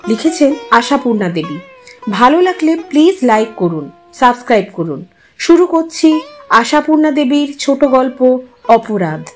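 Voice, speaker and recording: A woman narrating a literary short story aloud in a measured, steady storytelling manner. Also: sits high, faint music behind. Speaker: audiobook narrator.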